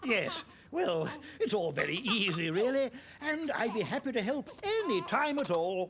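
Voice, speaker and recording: Through clear background noise, a man delivers a cartoonish character voice at an extremely high pitch, with very wide pitch swings and a moderate pace. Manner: gruff, blustering.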